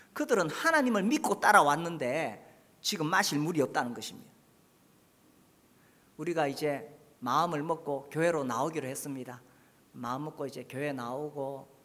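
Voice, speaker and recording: Lively preaching man in a reverberant hall. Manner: lively, rises and falls in pitch, asks the congregation questions. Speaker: pastor. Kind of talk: sermon.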